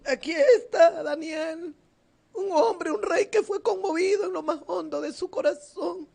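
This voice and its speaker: Tearful, very high-voiced woman evangelist. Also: measured pace, gravelly, mellow. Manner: emotional, tearful preaching. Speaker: evangelist preacher. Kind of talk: sermon. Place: seated indoors.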